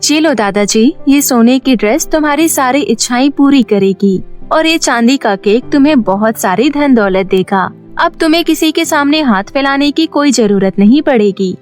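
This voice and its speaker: Woman voicing a chirpy, high-pitched food-loving fairy. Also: lively intonation, normal speed, faint music behind. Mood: generous. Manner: chirpy, friendly. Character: cheerful, generous food-loving female fairy.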